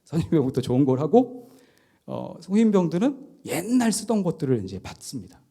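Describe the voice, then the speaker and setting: A middle-aged man, a pastor, preaching by telling a personal story with lively, chuckling delivery. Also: a little high, a little fast, breathy edge.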